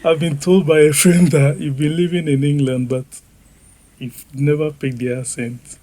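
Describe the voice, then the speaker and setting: A man giving his own opinion in a deliberate way, pausing often and using fillers. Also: fairly high pitch, level tone, dark tone, dry recording. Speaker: interviewee. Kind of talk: unscripted personal opinion.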